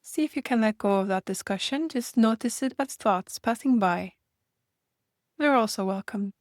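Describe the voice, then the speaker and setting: A woman leading a guided meditation in a gentle manner, speaking in unhurried invitations with long pauses. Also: fairly high pitch, dry recording, studio quality.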